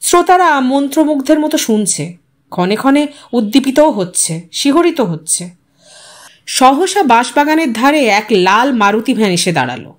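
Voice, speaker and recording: A woman's voice: sits high, sing-song, normal speed. A woman reading a story aloud as a scripted audiobook narration.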